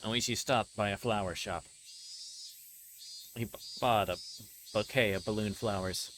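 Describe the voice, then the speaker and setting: A man's voice: on the low side, steady tone, measured pace, background noise. A man livestreaming a visual novel, reading its narration aloud and tripping over words now and then. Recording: music playing behind the voice. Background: game music.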